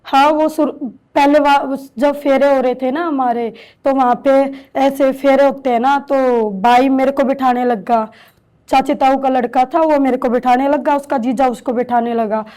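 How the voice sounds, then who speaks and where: A woman in her thirties slowly recounting her own story with halting restarts, as an interviewee in a shelter home. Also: high-pitched, steady tone, dark tone. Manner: halting, slow, hesitant with restarts. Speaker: interviewee, domestic violence survivor. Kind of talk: emotional personal testimony.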